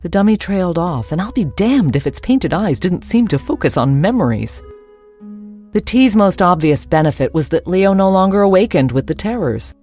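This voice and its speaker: A woman's voice: fairly low pitch, sing-song, moderate pace, a little mellow, faint music behind. A woman reading a first-person ghost story as its narrator.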